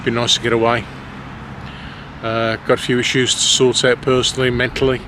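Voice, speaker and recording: Black country bloke doing a casual vlog, bit self-conscious and rambly, car and road noise behind him. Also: male voice, mid-range voice, flat delivery, a little fast. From West Midlands, England. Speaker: amateur vlogger, lorry driver. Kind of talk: casual vlog chat to camera. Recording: clear road and vehicle noise.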